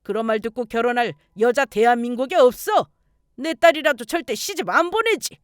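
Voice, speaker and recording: A woman's voice: fairly high pitch, lively intonation, brisk, no echo, clean studio sound, lightly acted. A woman voicing a stern, commanding older uncle who orders unwanted guests out. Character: stern protective older uncle, a police detective.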